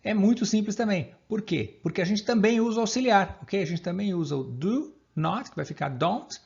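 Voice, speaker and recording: A man's voice: high-pitched, lively intonation, moderate pace, creaky, darkish tone, dull audio. A man with a Brazilian Portuguese accent teaching an online grammar lesson, explaining patiently and checking in with "ok?" after nearly every point. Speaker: English teacher.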